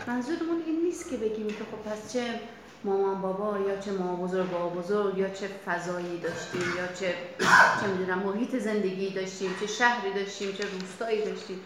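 A woman psychologist leading a workshop, explaining in a lively, chatty way to the audience. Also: mid-range voice, noisy background. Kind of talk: workshop lecture. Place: workshop room. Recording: very echoey room.

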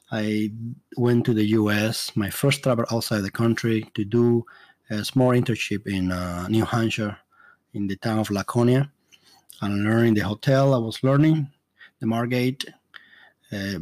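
A man's voice: medium pitch, a little mellow, no echo. Earnest man with a Spanish accent. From Dominican Republic. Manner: earnest, halting with frequent fillers and restarts. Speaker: immigration consultant and podcast host. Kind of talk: solo podcast monologue.

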